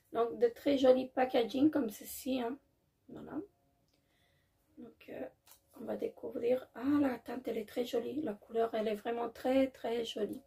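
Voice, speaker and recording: A woman with a fairly high voice and a gravelly, fry-laced edge, talking casually through a beauty unboxing. She hesitates a lot, fills pauses and restarts sentences, and gushes about what she likes. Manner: warmly enthusiastic about products. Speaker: beauty vlogger. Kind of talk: casual product unboxing chat.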